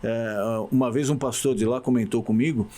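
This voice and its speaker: A man, a church guest on a talk show, who tells stories in an animated, emphatic way. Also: mid-range voice, brisk. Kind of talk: casual talk show conversation.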